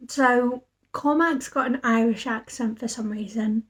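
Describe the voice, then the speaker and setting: A woman's voice: a little high, measured pace. A tired woman book vlogger chatting casually after reading all night, rambling and thinking aloud. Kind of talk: casual vlog chat.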